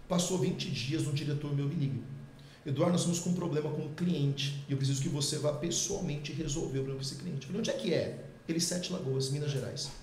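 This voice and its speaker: A middle-aged man, a podcast guest, telling a personal testimony in a lively way and acting out the dialogue. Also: a little high, fast talker, a little hiss or hum. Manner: lively, acts out quoted dialogue. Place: podcast studio. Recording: echoey room.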